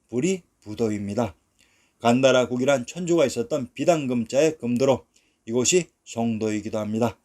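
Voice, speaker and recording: A man reading a scripted history narration in a slow, measured way, working through long lists of place names. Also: medium pitch, a little mellow.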